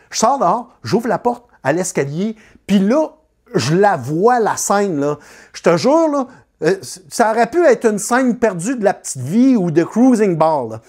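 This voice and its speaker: A man with a Quebec French accent telling a comic anecdote about his neighbors. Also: sits high. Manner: lively, animated, many fillers. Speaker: storyteller.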